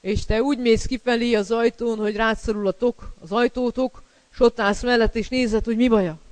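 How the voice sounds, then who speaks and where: A man's voice: very high voice, steady tone, dry recording, rough recording. A man preaching a sermon, emphatic and repeating key words, with fillers between phrases.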